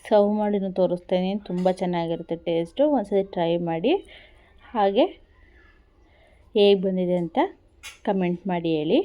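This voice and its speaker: A woman's voice: lowish voice, fairly even intonation, normal speed, long pauses, dark tone. A woman with a Kannada accent, talking viewers through a recipe at an easy pace in a casual cooking vlog, repeating simple instructions. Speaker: cooking vlogger.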